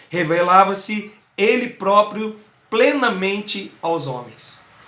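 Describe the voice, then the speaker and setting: A man speaks with a Curitiba accent, with audible room echo around his voice. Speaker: pastor. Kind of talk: bible study teaching. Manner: conversational, with filler words.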